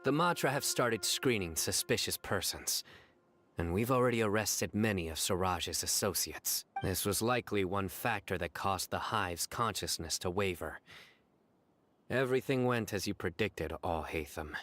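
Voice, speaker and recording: An actor playing a stern, composed young male law enforcer in a video game, measured and matter-of-fact. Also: low voice, a bit bright, slight background noise. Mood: reassuring.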